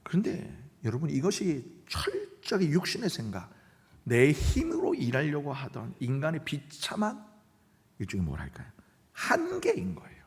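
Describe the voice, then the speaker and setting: Animated middle-aged pastor preaching in an echoey hall. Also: male voice, on the high side, moderate pace. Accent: Gyeongsang Korean. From Gyeongsang region of Korea. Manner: animated, acts out quoted voices, drops to near-whispers. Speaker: senior pastor. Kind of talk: sermon.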